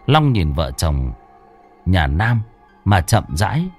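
Low-voiced man telling a ghost story. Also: very animated, takes it slowly, a little mellow, soft background music. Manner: dramatic, suspenseful.

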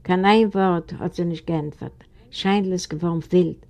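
A woman from Eastern Europe narrates a storybook in a low, gravelly voice. Her reading is steady and deliberate. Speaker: audiobook reader.

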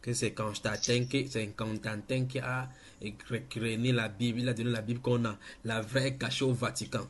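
A man, teaching in church with emphatic, halting delivery full of restarts. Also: mid-range voice, little pitch movement, a little hiss or hum. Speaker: preacher.

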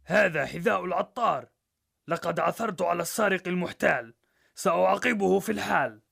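A man's voice: sits high, expressive, brisk, creaky, a bit bright, breathy edge, pitched above the performer's own voice, heavily acted. A man voicing a stern, pompous male judge who gives commanding orders in a told story. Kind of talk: storybook narration.

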